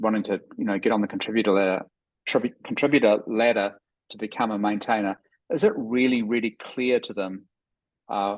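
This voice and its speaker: A man talks at a fairly quick pace with a New Zealand accent. His intonation stays fairly even. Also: medium pitch for a man. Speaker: open-source working group member. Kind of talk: online work meeting. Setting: video call. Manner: halting, many fillers.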